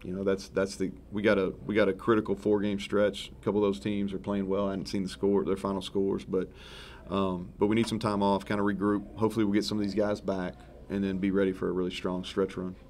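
A man's voice: sits low, fast, hardly any pauses, slight background noise. A man in his thirties, a head football coach, giving rambling, frank post-game answers at a press table full of microphones. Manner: rambling, self-correcting, relaxed and frank. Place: press conference room in front of a sponsor backdrop. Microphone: several table microphones in front of him.

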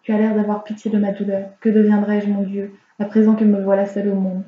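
A woman's voice: medium pitch, completely flat delivery, fast talker, natural voice. A woman reading the lines of a grieving, remorseful young girl, speaking in a pleading, sorrowful way. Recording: roomy, slightly dull home recording.

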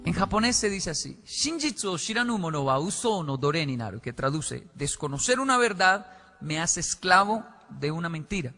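A man's voice: a little high, big pitch swings, moderate pace, creaky, sharp tone, faint music behind. A man from Colombia giving a public lecture at a podium microphone in a large hall, telling stories and acting out dialogue. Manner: storytelling, acts out dialogue. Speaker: conference speaker. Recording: reverberant hall, played from a video.

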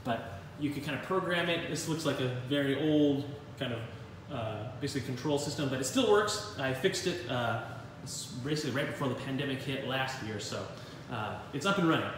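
A man's voice: mid-range voice, lively intonation, brisk, hardly any pauses, recorded from a distance, slight background noise. A male engineering instructor strolls through a lab, explaining equipment in a loose, rambling way full of fillers. The sound comes from a phone held while walking, his voice set back from the mic in a very echoey room. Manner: casual, rambling with many fillers and self-deprecating asides. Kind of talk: informal lab tour walkthrough. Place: university materials lab, indoors. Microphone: handheld phone camera while walking.

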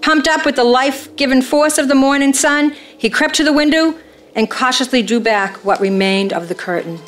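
A woman's voice: high-pitched, normal speed, a bit bright. A woman reading scripted radio play narration on stage in a dramatic storytelling manner. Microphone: stand microphone.

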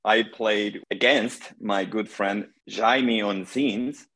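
A middle-aged man from Argentina, a guest player chatting relaxed on a video call from home, with many pauses. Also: lowish voice, husky. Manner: relaxed storytelling, many pauses and "um", gestures with hands. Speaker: guest, senior pro pickleball player. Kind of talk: casual video call interview. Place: small room indoors at home. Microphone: laptop webcam on video call.

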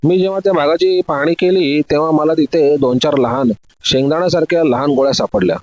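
A man voicing a calm, confident male detective who lays out his case methodically in an audio story. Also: a little high, a little fast, no room sound, muffled recording, close to an everyday voice. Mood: accusing.

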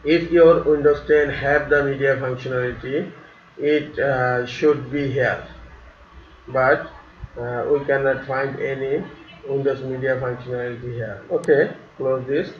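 A man narrating a step-by-step software tutorial in simple, halting, non-native English phrasing. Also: mid-range voice, steady tone. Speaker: tutorial host. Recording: roomy, distant, dull mic with faint hiss.

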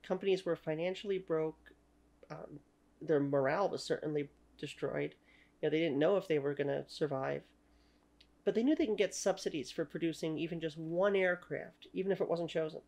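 A woman's voice: deep voice, a little fast, a little mellow. Canadian woman in her 30s, native French speaker, opinionated history host talking to camera at home. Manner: opinionated, many "you know" fillers. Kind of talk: talking-head history lecture. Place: small room at home.

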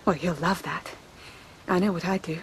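An actress playing a young noblewoman in a radio drama, coy and scheming, with hesitant, breathy pauses. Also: lowish voice, steady tone. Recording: radio play with clear background ambience.

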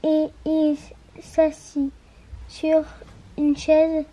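Slow, flat word-by-word reader. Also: female voice, high-pitched, poor audio. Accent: French. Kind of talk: slow reading aloud.

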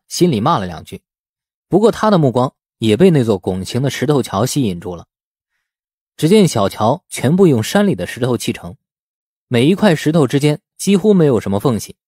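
A man narrating a novel as a scripted audiobook, in an expressive storytelling manner. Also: medium pitch, breathy edge, no echo, studio quality.

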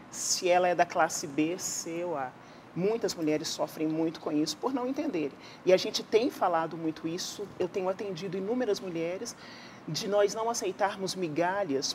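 A woman's voice: fairly low pitch, a little mellow, a little hiss or hum. A woman guest on a religious TV talk show, speaking emphatically and stressing words as she gives testimony about women's lives. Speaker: guest counselor who sees many women.

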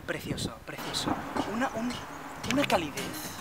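A woman's voice: deep voice, sing-song, normal speed, heavy background noise. Estela, a woman playing a spoiled chatterbox. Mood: bubbly boastful. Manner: boastful nonstop chatter, fake foreign accent bits. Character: vain chatty rich young woman, spoiled daddy's girl. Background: background music.

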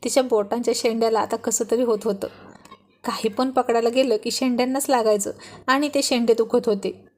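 A woman narrating a romance storybook in a lively, chatty way. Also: a little high, brisk. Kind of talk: storybook reading.

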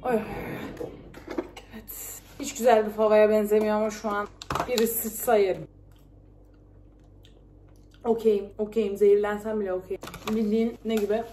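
A woman's voice: mid-range voice, flat delivery, normal speed, long pauses, dark tone, distant mic. A woman vlogging casually on her own in a holiday home, rambling and joking at her own expense. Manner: chatty, rambling and self-mocking. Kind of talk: casual solo vlog chat. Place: indoors in a rented holiday home. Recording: echoey room, faint background noise.

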